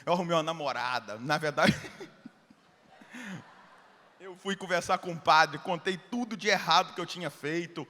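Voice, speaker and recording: Brazilian padre middle aged, bright tense voice, storytelling sermon, loud then hushed, long echo in a big hall. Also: male voice, a little high, moderate pace, pauses often. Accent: Brazilian Portuguese. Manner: animated, acts out dialogue, swings from loud to hushed. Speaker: Catholic priest.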